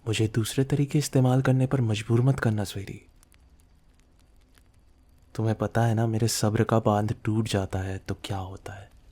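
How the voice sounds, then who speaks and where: A man's voice: on the low side, fairly even intonation, moderate pace, long pauses, mellow, lightly acted. A man playing a possessive, menacing mafia boss lover in an intimate ASMR roleplay, speaking in a threatening, teasing way to the listener. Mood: stern warning.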